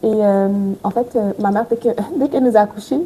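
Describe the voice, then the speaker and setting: A woman's voice: medium pitch, brisk, warm tone, slight background noise, low-quality recording. A young woman who grew up in Haiti and speaks, a guest talking frankly and reflectively with many fillers. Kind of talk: casual interview talk.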